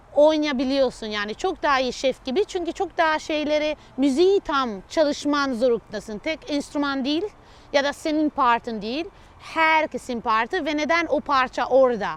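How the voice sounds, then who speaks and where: Her pitch is high and her pace moderate. The woman's pitch moves in an ordinary way. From Italy (Perugia). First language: Italian (speaking Turkish). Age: 20s. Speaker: orchestra conductor. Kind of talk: interview monologue. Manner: halting, many filler sounds.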